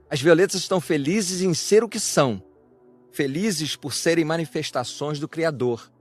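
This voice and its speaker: A man reading a reflective spiritual discourse in a measured, declamatory way. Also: a little high. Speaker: audiobook reader of a spiritual lecture. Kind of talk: scripted narration, reflective religious discourse. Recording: music behind the voice. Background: music.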